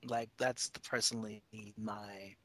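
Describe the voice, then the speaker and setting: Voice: medium pitch, flat delivery, a little slow, a little hiss or hum, low-quality recording. A podcast co-host chatting casually, often laughing and teasing. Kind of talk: casual chat.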